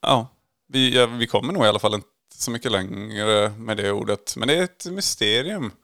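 A man co-hosting a comedy podcast with a low, gravelly voice, joking around in relaxed chat. The recording is dry and close, with no room sound. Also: no room sound. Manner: playful, joking. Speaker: podcast co-host. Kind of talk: casual chat.

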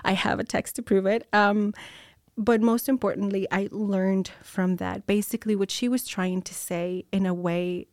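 A woman's voice: medium pitch, steady tone, moderate pace, a little mellow, dry recording, studio quality. An American woman, a nurse, telling her personal story as an interview guest, reflective and candid, with many ums and restarts. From United States.

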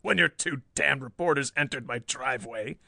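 A man's voice: medium pitch, moderate pace, gravelly, bright, forceful tone, no room sound, full character voice. Mad old scientist villain, played by a male narrator: sullen, sly, theatrical snarl, pulp audiobook, dry close sound. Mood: sly, unrepentant. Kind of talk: dramatized pulp story reading.

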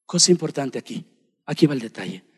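A man preaching a sermon to his congregation, addressing them directly and swinging between shouting and hushed speech. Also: mid-range voice, sing-song, a little fast, husky. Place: church sanctuary. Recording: long hall reverb.

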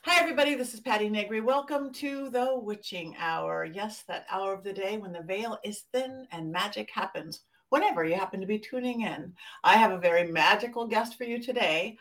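A woman's voice: medium pitch, a little fast, few pauses, fairly bright tone, far from the mic. A woman hosting a talk show, chatty and enthusiastic as she teaches a simple spell and interviews a guest. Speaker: host. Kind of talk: podcast host interview and spell lesson.

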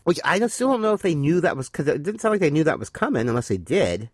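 A man's voice: fairly high pitch, sing-song, quick pace, no room sound, clean studio sound. A man co-hosting a casual podcast, rambling through an episode recap with many fillers. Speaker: podcast co-host. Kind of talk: casual chat reviewing a TV episode.

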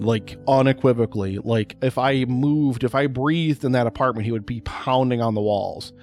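Loud-voiced man telling stories, rambling. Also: mid-range voice. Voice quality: loud, projecting voice. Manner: rambling, chatty, repeats words for emphasis. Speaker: podcast host. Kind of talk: casual personal storytelling.

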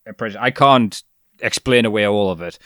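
Guy on a podcast rambling about a doc, lowish smooth voice, dry close mic. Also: a little fast, a bit bright, dry recording. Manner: rambling, frequent restarts and fillers, swears. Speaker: podcast co-host. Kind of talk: casual chat reviewing a documentary.

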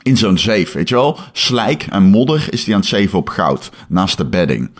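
A man chatting casually as a podcast host, an animated storyteller who swears freely. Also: deep voice, moderate pace. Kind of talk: casual chat.

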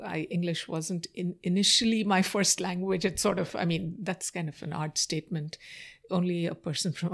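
Low, gravelly-voiced woman from India. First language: Marathi. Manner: thoughtful, reflective, many pauses and fillers. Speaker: interview guest. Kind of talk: casual interview answers.

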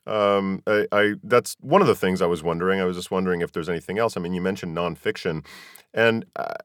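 A man with a deep voice hosts a casual interview podcast. He feels his way into questions with tentative, roundabout phrasing. The sound is close and dry, with no room on it. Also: a little fast, no room sound.

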